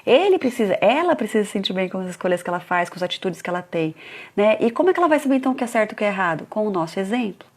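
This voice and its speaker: A woman's voice: medium pitch, big pitch swings, racing, darkish tone. A woman in her thirties giving a live talk on parenting, telling stories about her children and acting out what was said. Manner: storytelling, acting out family dialogue. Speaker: parenting educator.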